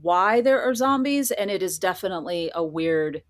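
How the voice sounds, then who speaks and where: A woman's voice: on the low side, expressive, moderate pace, no room sound, clean studio sound. A woman speaking as a guest in a casual interview, reflective and articulate in an informal way. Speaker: guest, horror fiction writer.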